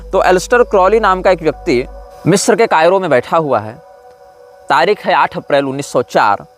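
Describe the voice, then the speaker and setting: Formal man giving a discourse. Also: fairly high pitch. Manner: formal, explanatory, rising emphatic stresses. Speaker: spiritual teacher. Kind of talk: religious discourse.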